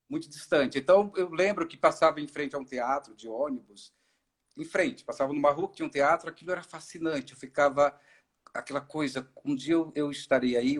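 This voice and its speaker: A middle-aged man from Ceará, an actor and director, telling his story in a relaxed live-stream interview, with many fillers and restarts. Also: on the high side. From Ceará, Brazil. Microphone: video call.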